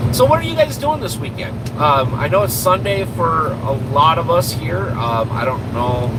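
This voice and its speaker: There is noticeable background noise and audible room echo as a man with a medium pitch and ordinary pitch variation talks with hardly any pauses. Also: moderate pace. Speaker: trucker live streamer. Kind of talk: casual live stream chat. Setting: in a truck on the highway. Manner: loud, feels he has to yell; halting, many fillers.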